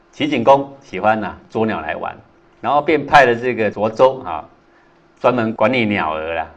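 Lively male lecturer. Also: dull audio. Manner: animated, acts out quoted lines with rising pitch and volume; asks the listeners rhetorical questions. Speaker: lecturer on classical texts. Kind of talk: lecture with storytelling.

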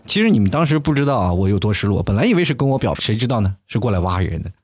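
A young man hosting a comic talk show, telling stories with animated delivery and acting out the people he quotes in a high voice. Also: rapid-fire. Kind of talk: stand-up style comic monologue.

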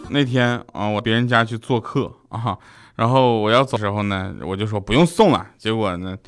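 A man's voice: on the low side, brisk, over music. A man hosting a radio show, telling a string of short jokes and acting out quoted voices. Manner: jokey, acts out quoted voices. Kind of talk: comic monologue of jokes.

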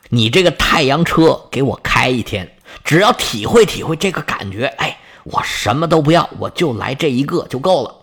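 A man voicing a headstrong young son who whines and wheedles in a husky voice. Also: medium pitch, a bit bright, voice pushed down. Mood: wheedling. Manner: whining, wheedling.

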